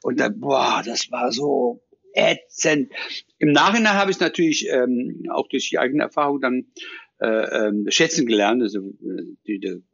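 A man in his sixties, an actor guest, talking casually and rambling with many pauses and fillers. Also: medium pitch, expressive, vocal fry, a bit bright, highs cut off. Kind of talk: casual chat.

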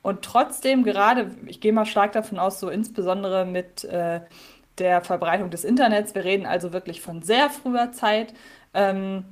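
A woman co-hosts a casual podcast and talks through her thoughts as they come. She hesitates often, filling pauses and restarting her sentences. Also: medium pitch. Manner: thinking aloud, hesitant with many fillers. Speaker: podcast co-host.

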